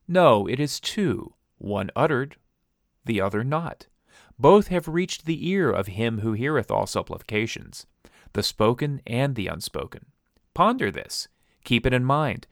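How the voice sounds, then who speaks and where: Man reading as an old holy messenger, solemn, declaiming, raised and louder than the narration, dry close sound. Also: medium pitch, no room sound, pitched above the performer's own voice. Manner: grave, declaiming, rising in force. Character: aged male stranger, solemn divine messenger.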